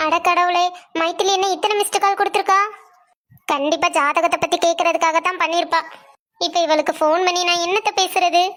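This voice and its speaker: A woman's voice: very high-pitched, fairly even intonation, a little fast, fairly bright tone, faint music behind. A woman voicing a middle-aged mother in a cartoon family story, scolding and fretful.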